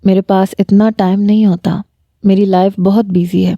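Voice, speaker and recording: A woman voicing a smitten young male doctor who speaks softly and earnestly, read out in a story. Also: medium pitch, level tone, no echo, muffled recording, natural voice. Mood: pleading. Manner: soft, coaxing and earnest. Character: young man, a smitten doctor, gentle and persistent. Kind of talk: story narration.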